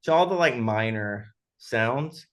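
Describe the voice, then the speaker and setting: A man speaking casually and haltingly as a sound designer in an interview, thinking aloud as he explains. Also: medium pitch, lively intonation.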